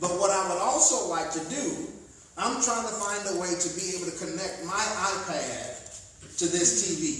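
A man speaks at a fairly slow pace with ordinary pitch variation, his voice carrying strong room echo over light background noise. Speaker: pastor. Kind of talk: bible study lesson. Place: hall. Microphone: camera far.

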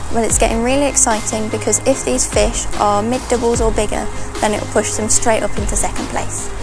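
A woman talks at a fairly quick pace. Clear music sits in the background of the dry, echo-free sound. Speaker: presenter. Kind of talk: event commentary and interview. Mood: excited about the competition. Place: waterside. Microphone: lapel.

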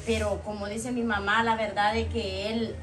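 A woman speaks at a fairly slow pace with light background noise. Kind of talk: interview answer. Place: home room. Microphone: phone near.

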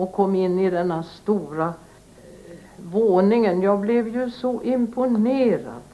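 Very slowly and in a dark, mellow tone, the woman delivers her words. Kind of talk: conversational reminiscence. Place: home room.

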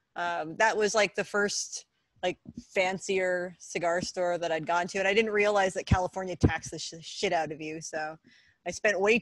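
A woman with an American accent at a moderate pace, fairly low in pitch with fairly even intonation, in a dry sound with no echo against a quiet background. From US Midwest. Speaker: cigar enthusiast. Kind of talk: casual chat. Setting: video call. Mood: relaxed, chatty. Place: home room.

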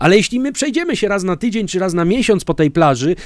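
With lively intonation and an animated tone, a man speaks at a high pitch, the sound dry with no echo and the background quiet. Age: 40s. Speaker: motivational speaker. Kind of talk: live-streamed motivational lecture. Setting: livestream. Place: home room. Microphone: webcam.

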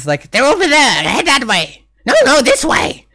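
Someone puts on a high-pitched character voice and speaks at a fairly slow pace.

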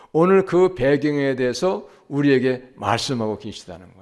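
A man at a medium pitch and moderate pace, very wide pitch swings, on a very clean recording with a silent background. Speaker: pastor. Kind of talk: sermon.

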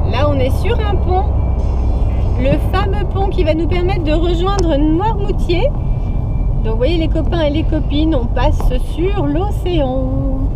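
A woman talks very slowly, with long, frequent pauses, while music plays behind her. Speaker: parent vlogger. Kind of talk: casual vlog chat. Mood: cheerful, playful. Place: car. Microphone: phone near.

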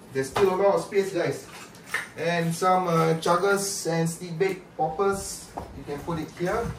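Noticeable background noise surrounds a man with a Singaporean accent. His pitch is high, his intonation fairly even and his pace fairly slow. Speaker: fishing YouTuber; fishing gear reviewer. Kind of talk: product review. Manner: casual, halting with fillers. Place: home room. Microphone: camera far.

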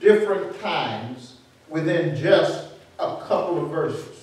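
A man talks at a very slow pace. There is strong room echo around his voice. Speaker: pastor. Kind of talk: sermon. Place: church.

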